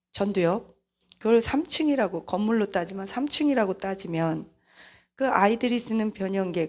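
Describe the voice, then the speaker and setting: A middle-aged woman preacher giving a lively sermon-style talk about parents and children, acting out family voices along the way. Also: mid-range voice. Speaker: mission leader and preacher.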